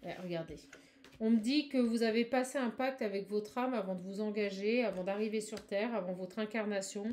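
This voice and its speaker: A woman giving a spiritual card reading to viewers. She talks fast and effusively, with many exclamations, and addresses the listener directly. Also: medium pitch, a little mellow. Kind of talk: live tarot-style channeling reading.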